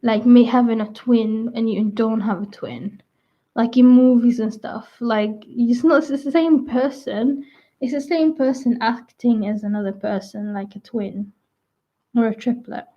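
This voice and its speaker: A young adult woman rambling casually to her viewers, full of "like" and restarts, her voice croaky at times. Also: fairly high pitch, unhurried. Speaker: vlogger. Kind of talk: rambling casual chat to camera. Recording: dull lo-fi sound.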